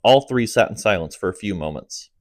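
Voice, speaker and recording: A man narrating his own comic audiobook in a fairly low voice. He keeps a steady storytelling pace and lets his voice sink at the ends of phrases, and the recording is close and dry with no room sound. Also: brisk, no room sound.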